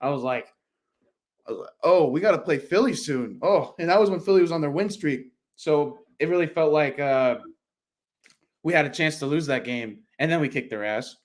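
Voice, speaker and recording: A man co-hosting a casual sports podcast, talking fast and rambling, and his voice jumps high when he retells big plays. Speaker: podcast co-host.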